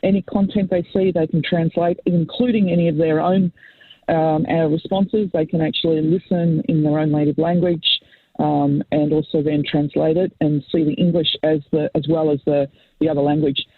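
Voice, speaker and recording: Woman, Italian native speaker, eager, filler-heavy, husky voice, tinny phone line. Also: deep voice, steady tone, normal speed, no echo. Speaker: company CEO panelist. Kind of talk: webinar panel discussion.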